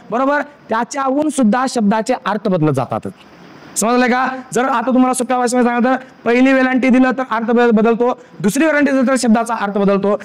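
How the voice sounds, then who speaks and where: A man teaching a grammar lesson for exam preparation, repeating points and often checking that students understand. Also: very high voice. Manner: repetitive, checks understanding with frequent questions.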